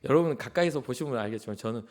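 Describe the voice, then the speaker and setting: Animated middle-aged male pastor preaching. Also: medium pitch, rapid-fire. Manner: animated, conversational, acts out quotes, drops to soft whispers. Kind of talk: sermon. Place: church sanctuary.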